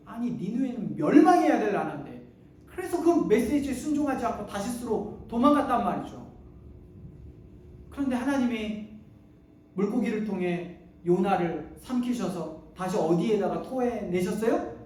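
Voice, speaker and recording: A male pastor preaching a sermon, animated and playful, often putting questions to the congregation. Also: high voice, moderate pace. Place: church sanctuary. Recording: echoey church hall, mic at a distance.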